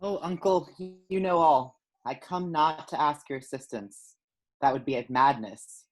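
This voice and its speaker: A woman's voice: low-pitched, a little slow, poor audio. A woman playing a ruined young family man, formal and melodramatic, in an amateur reading of a stage play. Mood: despairing farewell.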